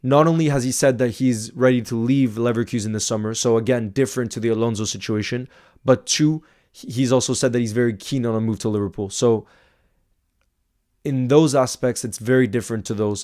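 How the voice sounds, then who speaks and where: A man's voice: lowish voice, a little mellow. A man with an American accent, of half French and half Icelandic origin, hosting a casual football livestream, reading viewer comments and repeating words for emphasis.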